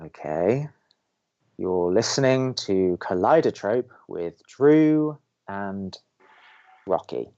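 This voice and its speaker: Low-voiced, grumpy college radio co-host. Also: male voice, slow, dull audio. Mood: sarcastic. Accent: American. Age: young adult. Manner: deadpan, reluctant, exasperated. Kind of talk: audio drama dialogue as banter.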